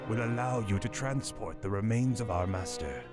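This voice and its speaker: An actor playing a deferential, grim necromancer servant in a video game, explaining things formally. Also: male voice, on the low side, normal speed, natural voice. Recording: game music behind voice.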